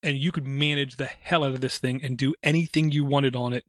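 A podcast co-host chats casually about hardware in a mid-range, fairly even voice at a brisk pace. He is enthusiastic and likes homespun comparisons, and the studio sound is clean with no echo.

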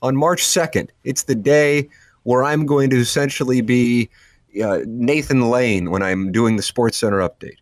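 A man's voice: mid-range voice, moderate pace, no echo, clean studio sound. A man hosting a casual sports radio show, teasing his partner dryly and reading out listener texts. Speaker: sports talk radio host. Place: radio studio. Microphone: close studio microphone.

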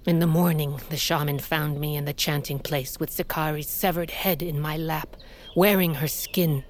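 An actress playing a fierce, aging tribal queen and mother in an audio drama, speaking in a grave, measured way and sometimes coughing from sickness. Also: steady tone, a little hiss or hum, close to an everyday voice. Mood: grim recounting. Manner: grave, measured, low storytelling delivery. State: sickly, coughing.

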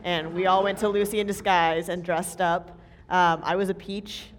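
A woman's voice: on the low side, flat delivery, moderate pace, a little hiss or hum. A woman in her late twenties co-hosting a live podcast, telling a rambling, laughing story with casual swearing. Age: 20s. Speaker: podcast co-host.

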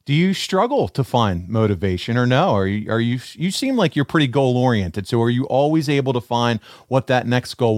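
An upbeat man hosts a conversational interview podcast. His voice sits at a middle pitch and is recorded very dry, with encouraging delivery. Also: a little mellow, no room sound. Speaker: podcast host.

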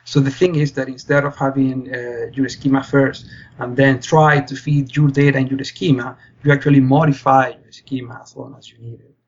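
A man's voice: mid-range voice, little pitch movement, normal speed, dull audio. A young man from Spain, a PhD student, explaining his work earnestly as a podcast guest. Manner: earnest, explains with many fillers and restarts. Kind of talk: interview answers.

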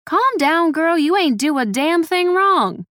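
A woman's voice: a little high, lively intonation, moderate pace, dry recording, clean studio sound, voice pushed up. A woman voicing a stern, protective elderly grandmother, blunt and scolding, in an audiobook story. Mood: firm reassurance.

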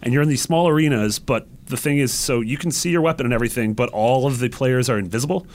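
A man explaining things casually as a gaming podcast panelist, enthusiastic and a little halting. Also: medium pitch, darkish tone.

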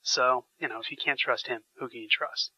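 A man's voice: mid-range voice, fairly even intonation, fairly quick, sharp tone, breathy edge, dry recording, highs cut off. A man hosting a podcast, chatting enthusiastically with frequent fillers while getting over a sinus infection. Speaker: podcast host. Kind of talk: casual podcast chat.

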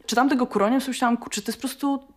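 A woman speaks in a fairly high voice at a rapid clip. Her delivery is casual and colloquial, like someone thinking back aloud. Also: fairly even intonation. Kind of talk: casual recollection.

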